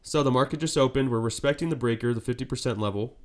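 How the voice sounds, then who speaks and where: Stuffy-nosed guy talking through trades live, steady and explaining, keeps asking "right?". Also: medium pitch, fast talker. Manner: steady explanatory, frequent "right?" check-ins. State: congested with a cold. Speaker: live trading streamer. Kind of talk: live market commentary.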